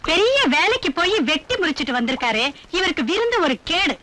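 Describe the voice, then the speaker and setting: An actress playing the nagging, sarcastic wife of a comic swindler, in an old film comedy. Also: female voice, very high voice, big pitch swings, a little fast. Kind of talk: 1980s comedy film acting.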